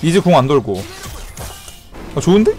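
Over background game music, a slightly high-voiced man gives live commentary on his game stream. He's excitable and teasingly trash-talks, breaking up slow remarks with shouted sound effects.

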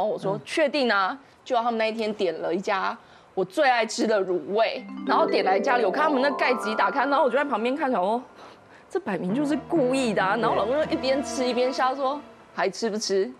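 A woman guest on a talk show, retelling a dream with lively quoted dialogue. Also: a little high, quick pace. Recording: music under the voice.

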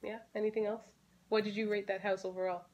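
A woman's voice: medium pitch, little pitch movement, fast, a little mellow. A woman in her thirties chatting casually to camera in her living room, thinking aloud with fillers and restarts. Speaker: family vlogger. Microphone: camera close in front.

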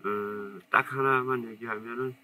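A saxophonist guest in his fifties, from Jecheon in North Chungcheong, Korea, tells stories in a relaxed, rambling, modest way with a strong Jecheon dialect. The casual interview takes place in an indoor studio with a curtain backdrop, recorded seated in a two-shot on an off-camera mic. His mid-range voice moves at a measured pace, with a little hiss or hum.

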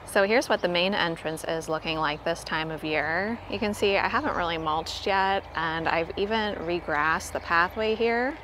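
An American woman with a slightly low voice gives a casual gardening demonstration. She talks chattily and straight to her viewers. There is clear ambient noise behind her from recording around a home and garden. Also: normal speed, few pauses. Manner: chatty, addresses viewers directly. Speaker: gardening vlogger. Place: home garden outdoors and inside the house.

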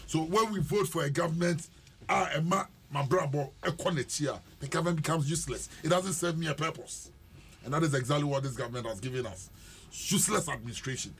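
A man's voice: a little high, brisk, slightly rough. A middle-aged man with a Ghanaian English accent, a panelist arguing hard in a political radio debate in a studio. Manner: forceful, emphatic, talks over others. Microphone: studio mic on boom.

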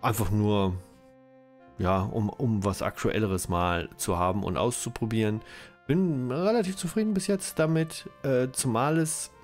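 German guy with a cold, lowish voice, rambly lets-play chatter, faint music underneath. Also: measured pace. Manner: rambling, self-correcting, chatty. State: has a cold, coughing. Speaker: let's-play host. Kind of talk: casual game commentary.

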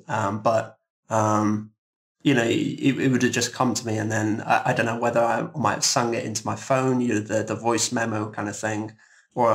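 A man speaking casually as a composer guest in a roundtable interview, explaining things in a halting, thoughtful, rambling way. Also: lowish voice.

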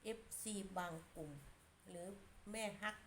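Blunt scolding woman, gravelly. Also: lowish voice, unhurried, slight background noise. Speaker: commentator. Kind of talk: casual opinion monologue.

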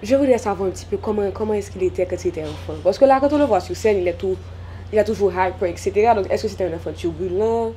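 Woman host with a mellow voice. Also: mid-range voice, fast, a little hiss or hum. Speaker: TV magazine host. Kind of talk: TV interview. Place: shaded veranda of a home. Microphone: lapel mic.

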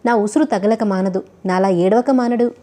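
A woman's voice: medium pitch, normal speed, dark tone, close to an everyday voice. A woman voicing a heartbroken, deceived young bride who speaks in a bitter, accusing way. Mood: furious.

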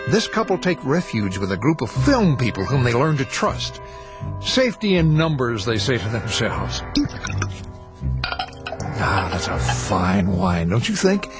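An actor playing a smooth, scheming male film director who hides a menacing purpose, in a radio drama. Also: medium pitch, big pitch swings, measured pace. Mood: ingratiating. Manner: boisterous, ingratiating host turning menacing. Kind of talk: 1980s radio drama acting. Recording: radio play with music behind.

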